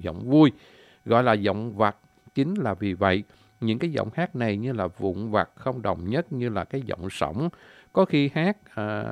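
A man giving an informal spoken lecture. He politely addresses his listeners and fills pauses with drawn-out "à" sounds. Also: on the low side, creaky, no room sound. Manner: frequent drawn-out "à" fillers between phrases. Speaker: presenter explaining folk singing.

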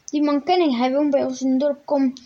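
An eager village farmer who keeps urging the visitors along, insistent and quick to boast, voiced by a woman reading the story aloud. The voice sits high. The recording is muffled and lo-fi. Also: little pitch movement, mellow. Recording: dull lo-fi recording.

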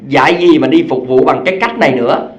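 A man's voice: a little high, fast talker, echoey room, pitched below the performer's own voice, natural voice. A man voicing a selfish, resentful candle in a spoken parable, grumbling sulkily. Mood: sulky. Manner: sulky, grumbling complaint.

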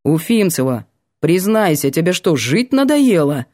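A woman voicing a gruff, irritable young male student who speaks curtly. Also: on the low side, very animated, a little slow, darkish tone, dry recording, clean studio sound. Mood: scolding. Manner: curt and growling.

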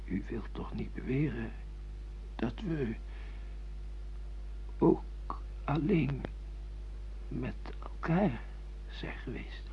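A man's voice: mid-range voice, extremely slow, long pauses, a little hiss or hum. A man acting a bewildered, sardonic middle-aged amnesiac husband in a Dutch radio play, with theatrical, ironic delivery. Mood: uneasy. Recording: muffled lo-fi radio play recording.

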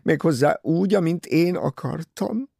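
A man's voice: on the high side, gravelly, mellow, husky, no echo, studio quality, voice pushed up. A man reading an audiobook, voicing a distraught, shaken young woman in a raised voice. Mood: anguished. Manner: pleading, shaken, outbursts.

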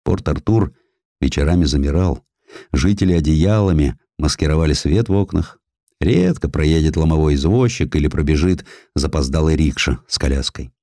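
A man narrating a historical tale in an expressive, measured way, with weighty pauses. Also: rumbling low, no room sound, studio quality. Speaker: audiobook narrator.

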